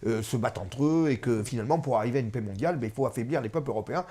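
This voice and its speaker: A man's voice: medium pitch, racing, dark tone. A man in his fifties, an author, speaking emphatically in an interview discussion, often repeating himself and hesitating. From France. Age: 50s. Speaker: author and guest.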